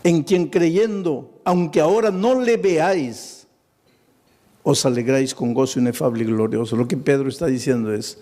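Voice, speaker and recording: With a dark tone, medium pitch and moderate pace, a man delivers a sermon built around a Bible story. He acts out the characters' dialogue and poses rhetorical questions to those listening.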